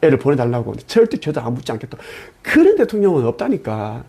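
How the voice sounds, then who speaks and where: Husky man preaching with rhetorical questions. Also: medium pitch, wildly swooping pitch, fast, warm tone. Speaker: channel host. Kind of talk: monologue.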